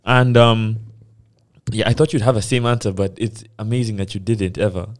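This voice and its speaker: A man's voice: lowish voice, flat delivery, moderate pace, slight background noise. A young man co-hosting a podcast, talking candidly and asking questions in a loose, slangy way. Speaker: podcast co-host. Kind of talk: casual podcast interview.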